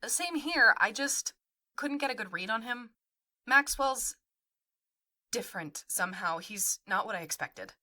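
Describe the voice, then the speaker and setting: A woman's voice: fairly high pitch, lively intonation, a little slow, pushed and bright, heavily acted. An actress playing a supportive, frank young woman in naturalistic audio drama dialogue. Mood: unsure.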